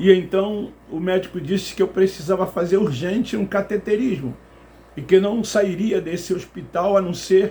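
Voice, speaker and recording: A man talks fairly slowly in a high pitch. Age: 60s. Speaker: video blogger sharing personal news. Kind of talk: personal testimony.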